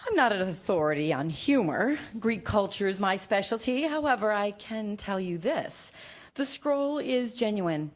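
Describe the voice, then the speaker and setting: A pedantic lady scholar acted by a woman in a staged comedy reading. The delivery is formal, measured and exact, in a medium-pitched voice. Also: expressive, close to an everyday voice. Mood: solemn, precise. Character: prim, pedantic female scholar of Greek culture.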